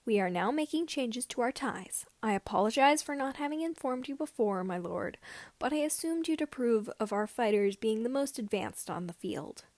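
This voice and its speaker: A dutiful head engineer, read by a woman reports frankly to a lord in formal, deferential words. The voice is fairly high and recorded dry, in the manner of a sci-fi audiobook. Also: lively intonation, normal speed, darkish tone, no echo, natural voice. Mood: resigned, frank.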